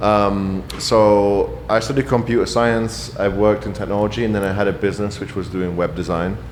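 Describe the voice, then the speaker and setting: A man talks with a fairly low pitch and fairly even intonation. Noticeable background noise runs underneath. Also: moderate pace, hardly any pauses. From northern England. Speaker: former tech entrepreneur. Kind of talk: casual podcast interview. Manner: laid-back.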